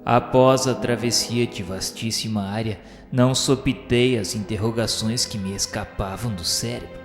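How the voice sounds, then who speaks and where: A man playing an earnest spirit pupil in a radio drama, narrating a dark journey in solemn, formal, deliberate phrases. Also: fairly low pitch, fairly even intonation, natural voice. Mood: grave, awed. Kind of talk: radio drama, literary first-person narration. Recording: echoey long reverb with music behind.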